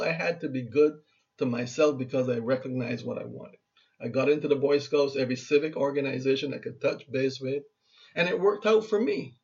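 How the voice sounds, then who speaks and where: Barbadian man, 50s, a little high-voiced, earnest motivational speaker, muffled lo-fi sound. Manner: earnest, exhorting, repeats himself for emphasis. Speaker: motivational speaker and radio host. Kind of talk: motivational talk. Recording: muffled lo-fi recording.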